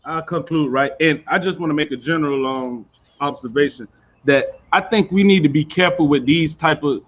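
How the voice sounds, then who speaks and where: A man delivers casual, earnest closing remarks in a somewhat high voice. The sound comes through dull, lo-fi call audio. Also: normal speed. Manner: earnest, informal. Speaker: panel guest.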